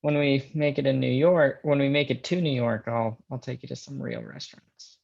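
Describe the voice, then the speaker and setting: Eager young male suitor, man acting, creaky voice, affectionate, dull dry recording, drama read. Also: medium pitch, lively intonation, moderate pace, darkish tone, dry recording. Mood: earnest, affectionate. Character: eager, tender young suitor from Illinois, a railroad laborer. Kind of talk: screenplay table read acting.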